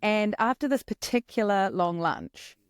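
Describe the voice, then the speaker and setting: A woman in her forties with a New Zealand accent, a podcast guest telling her story in a candid, lively way. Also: mid-range voice, a little slow, smooth, no echo, clean studio sound. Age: 40s. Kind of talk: podcast interview.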